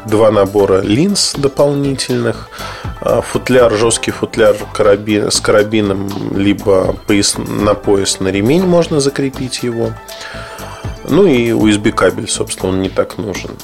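A man's voice: fairly low pitch, normal speed, vocal fry, faint music behind. A man hosting a tech podcast, giving a casual, rambling gadget review full of hesitations and asides.

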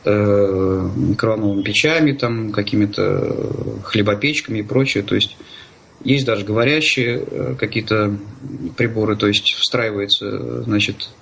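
A man giving conversational interview answers in a halting, hesitant way, often searching for words. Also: on the low side, gravelly, fairly bright tone, husky. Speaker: interview guest, blind user of assistive technology.

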